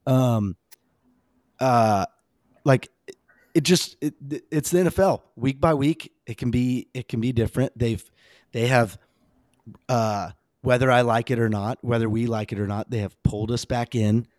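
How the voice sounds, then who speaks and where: A man with a slightly hoarse voice hosting a casual, rambling, emphatic fan talk on a sports podcast. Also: medium pitch, measured pace, a little mellow, dry recording, studio quality.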